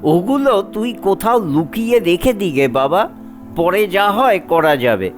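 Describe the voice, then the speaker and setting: A man voicing a sorrowful, honest old village patriarch in a dramatised story, grave and halting. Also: high-pitched, lively intonation, faint music behind. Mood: anxious pleading.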